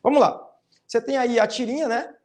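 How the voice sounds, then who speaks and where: Recording an online lesson for fifth-grade children, this Brazilian-accented teacher breaks explanations into careful steps, often tacking a tag question onto phrases. Sample lines are read aloud with big, exaggerated rises and falls, at a slightly fast pace in a darkish tone.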